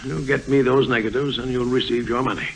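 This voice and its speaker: A man's voice: medium pitch, steady tone, brisk, vocal fry, a little hiss or hum, close to an everyday voice, low-quality recording. An actor playing a worried, earnest middle-aged governor in an old radio drama, fumbling his words when flustered. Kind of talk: 1950s radio drama acting. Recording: old vintage radio broadcast.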